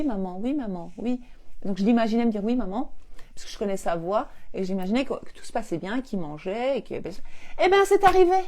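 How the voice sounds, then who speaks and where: A medium-pitched woman, a coach, casually relates a family story to viewers on her live stream. She's animated and laughs frequently while acting out the exchanges.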